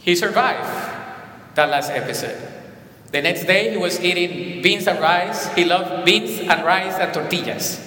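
Colombian-accented pastor preaching in a reverberant hall. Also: male voice, high-pitched, unhurried. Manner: animated preaching with emphatic repetitions. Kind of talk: sermon. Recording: echoey hall with long reverb.

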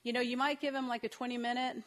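A woman's voice: on the high side, little pitch movement, fast talker. A woman counselor giving a talk on parenting, conversational and storytelling, with fillers and asides. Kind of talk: parenting talk with personal anecdotes.

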